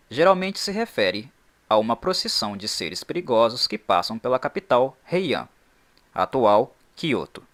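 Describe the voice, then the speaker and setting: A man hosting a channel, reading a scripted explainer in an expressive, emphatic way. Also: medium pitch. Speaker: channel host.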